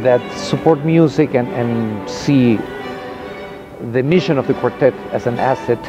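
A man in his forties speaking thoughtfully and haltingly in an interview as a university music director. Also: mid-range voice. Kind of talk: interview talk to camera. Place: outdoors on a campus lawn.

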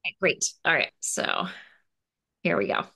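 A woman's voice: low voice, expressive, moderate pace, gravelly, pushed and bright, breathy edge. A woman in her forties speaking expressively as an author, reading aloud and explaining casually to children on a video call. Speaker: picture book author presenting. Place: indoor room with bookshelves, on video call.

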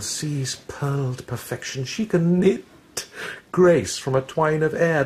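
A man's voice: mid-range voice, lightly acted. A man acting a proud, lovesick, self-mocking poet-swordsman in a radio verse drama, speaking with eloquent, theatrical lyricism. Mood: rapturous.

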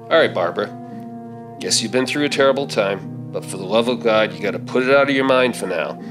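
A middle-aged man on stage playing a gruff, take-charge survivor of a zombie attack in a radio play, with folksy phrasing. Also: on the low side, a little fast, natural voice. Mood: steady, grim. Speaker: stage actor reading a script. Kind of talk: live radio-play acting. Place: theater stage. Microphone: stand microphone. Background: loud music.

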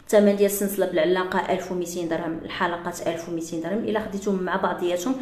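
A woman with a Moroccan Arabic accent, chatting through a live sales pitch for jewelry to her female viewers. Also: fairly even intonation, racing, darkish tone, echoey room. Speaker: jewelry seller.

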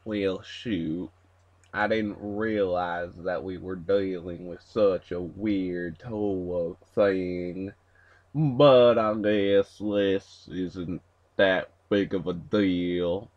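A man's voice: deep voice, steady tone, extremely slow, no echo, highs cut off. A man playing a folksy, shrugging redneck with a rural Southern US drawl. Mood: laid-back. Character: slow, shrugging low-pitched redneck man.

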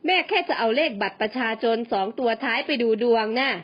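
A woman's voice: on the high side, dull audio, close to an everyday voice. Woman playing a fretful rich older mother-in-law. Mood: anxious. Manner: slow, fussing.

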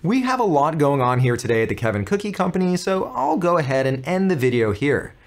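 American man, thirties, slightly high voice, upbeat instructional delivery, clear articulation, software tutorial host. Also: very animated, a little fast. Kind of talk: step-by-step software tutorial narration.

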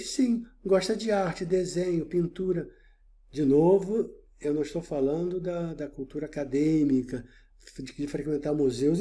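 A man teaching to the camera in a loose, conversational lecture. His voice sits a touch high and sounds very dark and mellow. He keeps stopping to check in with the listener and often repeats a word before going on. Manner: talks directly to the viewer with frequent check-ins and rephrasings; halting, repeats words while searching for the next. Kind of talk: explanatory video lecture.

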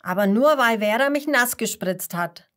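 A woman's voice: mid-range voice, fairly even intonation, a little slow, fairly bright tone. A woman doing a cross little dino boy. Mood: indignant. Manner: serious, indignant.

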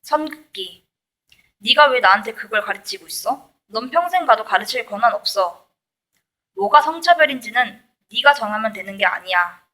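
A woman reads a nonfiction book aloud in a bright, edged voice that sits a little high. She moves through each line briskly and with point, like an audiobook narrator. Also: lively intonation, rough recording. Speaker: audiobook reader.

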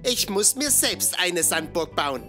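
A woman's voice: lowish voice, very animated, unhurried, pushed and bright, exaggerated voice. A woman voicing a cheerful, curious cartoon boy explorer in a children's show, exclaiming and wondering aloud to young viewers. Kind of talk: animated children's show dialogue. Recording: music behind the voice.

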